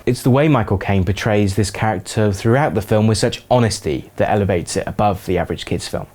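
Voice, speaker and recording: A man's voice: on the low side, a little fast, darkish tone. A man reading scripted narration as the narrator of a video essay.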